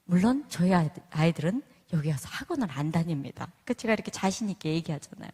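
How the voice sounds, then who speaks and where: A woman's voice: on the low side, lively intonation, quick pace, warm tone, slightly rough. A middle-aged woman giving a church testimony, telling stories with humor and acting out other mothers' voices. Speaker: testimony speaker. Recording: echoey church hall.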